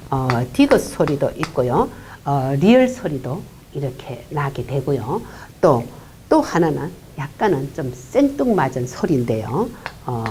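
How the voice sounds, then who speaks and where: Woman, English pronunciation teacher. Low, dark voice with a lively melody. Patient lecturing with many fillers. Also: slight background noise. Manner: unhurried explaining with frequent "uh" fillers; quietly voices single consonant sounds. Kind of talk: classroom-style pronunciation lecture.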